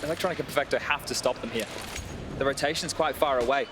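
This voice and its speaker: A man's voice: mid-range voice, quick pace. A man working as an esports caster, giving live match commentary and analysis in a conversational, reactive way. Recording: noisy game audio behind voice. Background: game sounds.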